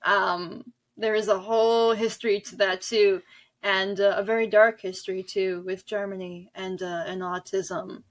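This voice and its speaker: A woman's voice: medium pitch, steady tone, unhurried. A woman guest in a conversational podcast interview, talking in an earnest, emphatic, rambling way. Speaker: interview guest, author and audio drama director.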